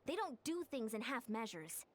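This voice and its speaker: A woman voicing a watchful, serious young female fighter in a video game, measured and thoughtful. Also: fairly high pitch, very animated. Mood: firm, serious.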